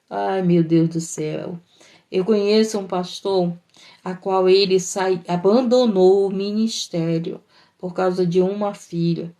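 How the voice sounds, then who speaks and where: A woman's voice: on the low side, warm tone. A woman missionary preacher, delivering an emotional, repetitive sermon full of rhetorical questions. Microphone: livestream microphone.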